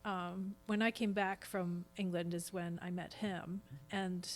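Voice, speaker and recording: A woman's voice: lowish voice, steady tone, measured pace. A woman talking as a guest on a podcast in a chatty, casual way, explaining things as she goes. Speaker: guest, stage actress. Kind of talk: casual podcast interview chat.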